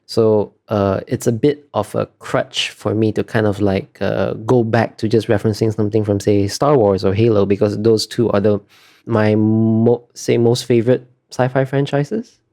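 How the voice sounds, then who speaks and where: Mellow-voiced man explaining things haltingly. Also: on the low side, fairly even intonation. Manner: hesitant, self-correcting, explanatory. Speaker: concept artist being interviewed. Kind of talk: casual interview conversation.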